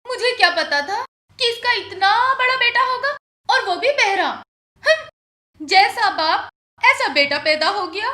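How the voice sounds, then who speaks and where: A woman's voice: very high-pitched, animated, measured pace, pushed and bright, reverberant, exaggerated voice. An actress playing a fed-up Haryanvi village wife and stepmother who scolds and wails, in a Haryanvi accent. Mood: complaining. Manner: scolding, wailing complaints.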